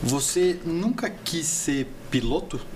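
Noticeable background noise sits behind a man whose intonation is lively. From Brazil. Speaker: podcast co-host. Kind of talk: casual chat. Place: studio. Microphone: studio mic.

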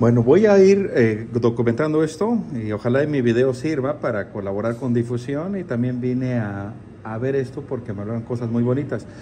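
Somewhat breathy with a dark, mellow tone, the voice moves at a moderate pace with hardly any pauses and ordinary pitch variation over light background noise. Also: man. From Mexico. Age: 50s. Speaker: radio host visiting a retirement home. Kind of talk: casual interview on location. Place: hall. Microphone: phone near.

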